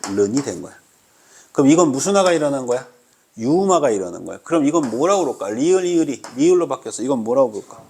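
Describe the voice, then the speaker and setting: A male teacher lecturing a room of students at a medium pitch. He fires quick questions at the class and ribs them with playful mock-scolding. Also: sing-song, a little mellow, breathy edge. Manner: teasing, mock-scolding, quizzing students constantly. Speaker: Korean language teacher.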